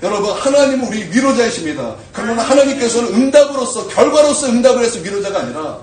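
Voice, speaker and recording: A man preaching a sermon as pastor, animated and full of rhetorical questions to the congregation. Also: very high voice, quick pace, far from the mic, a little hiss or hum. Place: church sanctuary. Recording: echoey church from afar.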